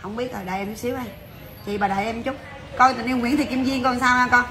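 A woman selling jewelry on a livestream, chatty and brisk, calling out to viewers. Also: a little high, level tone, background noise. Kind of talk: fast livestream sales patter. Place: jewelry shop.

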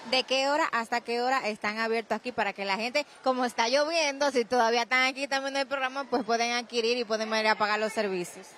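A woman's voice: on the high side, fairly even intonation, fast talker, hardly any pauses, fairly bright tone. A young Dominican woman reporting on site at an expo fair with a handheld mic, upbeat and promotional. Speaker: field reporter. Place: indoor expo fair hall, crowd around.

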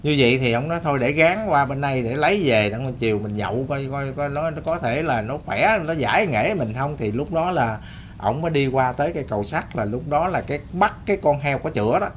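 A man's voice: medium pitch, lively intonation, brisk, slight background noise. A man with a Southern Vietnamese accent telling a story to his audience in a rambling, folksy way, repeating and restarting phrases. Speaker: storyteller host. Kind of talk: casual spoken storytelling to an audience.

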